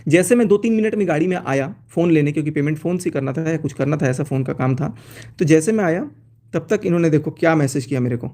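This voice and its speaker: A man's voice: on the high side, dark tone. Aggrieved man on a phone live stream. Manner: aggrieved, explaining and accusing. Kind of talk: casual live-stream talk, reading out chats.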